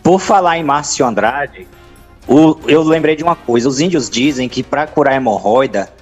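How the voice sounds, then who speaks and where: Brief: male caller, deadpan crude jokes, faint music behind. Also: mid-range voice, moderate pace.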